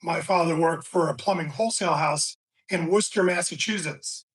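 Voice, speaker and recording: A man in his sixties talks through stories in a relaxed, meandering way, pausing and restarting often. His voice sits high for a man. He is heard from a distance, away from the mic. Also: slightly rough. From Florida, USA. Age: 60s. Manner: relaxed storyteller with many restarts and fillers. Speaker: guest, business founder. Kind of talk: casual interview talk.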